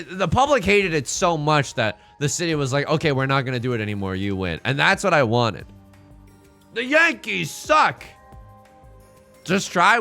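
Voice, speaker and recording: A young man streaming from home, tired but still quick with a joke, his voice bright and lively as it jumps around his range. He swears freely and banters with chat. Faint game music plays underneath. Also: mid-range voice, gravelly. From born in China, raised in the United States. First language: Mandarin Chinese. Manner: quick, joking and profane, talking to chat. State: exhausted. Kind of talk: casual livestream commentary while playing a game.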